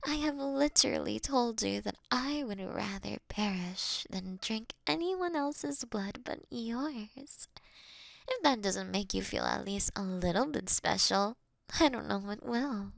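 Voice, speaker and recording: In a dry recording, a woman voices a courteous, doting female vampire who wryly confesses to her sleeping prey in scripted roleplay audio for one listener. Her medium-pitched voice has lively intonation and vocal fry, breathy and often slipping to a whisper. The mood is earnest and coaxing, the delivery slow, intimate, and gently theatrical.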